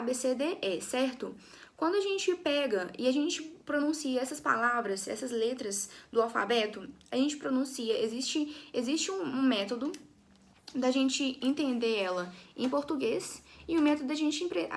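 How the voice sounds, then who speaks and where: A woman's voice: sits high, animated, normal speed, creaky. A young woman teaching an English lesson to her students, chatty, often checking in with her class and restarting her sentences.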